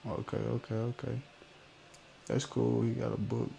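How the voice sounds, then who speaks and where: A man's voice: mid-range voice, flat delivery, normal speed, vocal fry, dark tone, slight background noise. A man in his twenties with a Memphis accent, chatting casually on a live stream, reading viewer comments in a laid-back, slangy way. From Memphis, Tennessee. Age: 20s. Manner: laid-back slang, trailing off mid-sentence.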